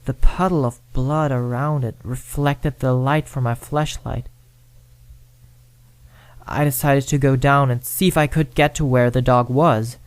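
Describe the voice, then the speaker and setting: A man's voice: mid-range voice, fairly even intonation, measured pace, clear, resonant tone, no echo. A man narrating a first-person ghost story, dramatic and at times dropping to a whisper.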